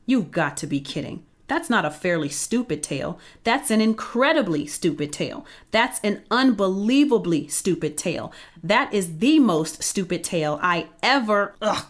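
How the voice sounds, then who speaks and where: A woman's voice: mid-range voice, expressive, normal speed, hardly any pauses, natural voice. A woman voicing Jack, a pushy, cocky boy narrator who talks eagerly and brashly.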